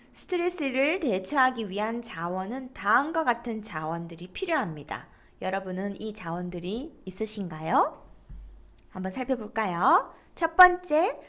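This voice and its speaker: A middle-aged woman gives an online lecture on coping with stress, explaining terms and leading students in reading aloud together. Her voice is a little high and a bit bright.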